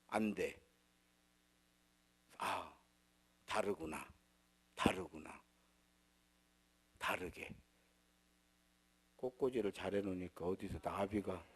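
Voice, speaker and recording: A man preaching a sermon as pastor, moving between raised declarations and soft, low asides. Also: creaky.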